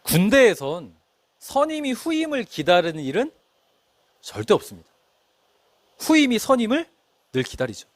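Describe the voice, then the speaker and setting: A man's voice: sits high, huge pitch swings, moderate pace, long pauses, no room sound. A middle-aged male pastor preaching a sermon, telling a story and asking the congregation questions. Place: church.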